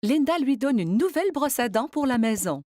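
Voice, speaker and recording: A woman's voice: high-pitched, lively intonation, fairly quick, a little mellow, dry recording. A woman reading scripted narration for a children's cartoon story. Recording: music behind the voice. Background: music.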